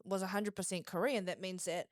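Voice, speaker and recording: A woman's voice: mid-range voice, fairly even intonation, a little fast, no room sound, clean studio sound. A young woman with a New Zealand accent hosting a podcast chat, asking questions and relating her own experiences. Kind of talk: casual podcast conversation.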